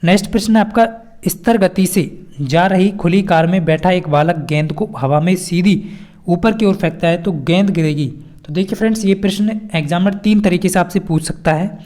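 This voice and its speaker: A man's voice: high voice, moderate pace, a little mellow. A man teaching an exam-prep lesson, reading out quiz questions and explaining the answers with repeated key points.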